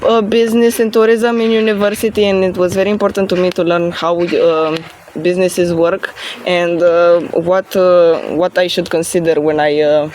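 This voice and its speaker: High-voiced young man from Romania. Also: flat delivery, normal speed, darkish tone, a little hiss or hum. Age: young adult. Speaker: youth exchange participant, business student. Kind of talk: casual interview answers.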